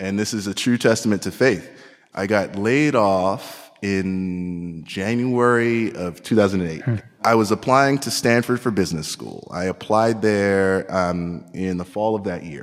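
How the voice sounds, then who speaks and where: A normal speaking voice from a man with an American accent, fairly low in pitch, at a fairly slow pace and with ordinary pitch variation. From Queens, New York. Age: 30s. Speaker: entrepreneur. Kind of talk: interview.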